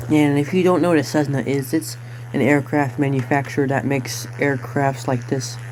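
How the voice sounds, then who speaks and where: A man speaks at a medium pitch and a moderate pace with fairly even intonation. Noticeable background noise runs under his voice. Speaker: gaming YouTuber. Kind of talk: gameplay commentary. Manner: halting, many self-corrections; poor diction.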